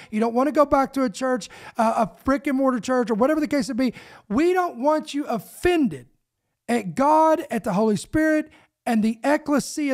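Fervent middle-aged male podcast preacher. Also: very high-pitched. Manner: fervent, emphatic preacher, gesturing as he talks. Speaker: ministry podcast host. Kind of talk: podcast preaching and spoken prayer. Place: small home studio. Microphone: boom microphone close to the mouth.

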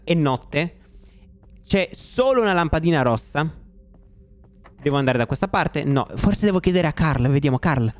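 A man doing let's play commentary on a horror game, jumpy and slangy, shouting when scared. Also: a little high. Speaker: gaming YouTuber.

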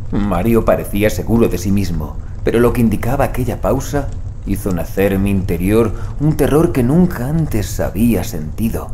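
Actor as Pablo, an animated, low-voiced anxious investigator. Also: male voice, normal speed, slight background noise, lightly acted. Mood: brooding, dramatic. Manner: dramatic, brooding storytelling. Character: Pablo, anxious, excitable male investigator and narrator. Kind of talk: scripted audio drama narration and dialogue.

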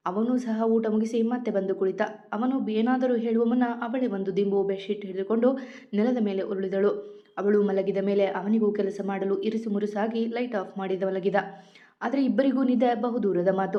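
A woman storyteller narrating a romantic story in a gentle, expressive way. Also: medium pitch, highs cut off.

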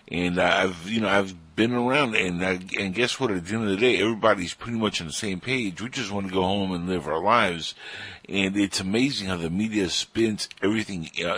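A man's voice: low voice, a bit bright, husky, dry recording. A Cuban-born man hosting a political talk show, speaking emphatically and with indignation. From Cuba. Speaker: host. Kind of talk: political talk radio chat.

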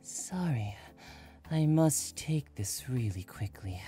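Woman putting on a smug flirty guy, sly and drawn out, lively pitch, music faint underneath. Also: slow, full character voice. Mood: weary.

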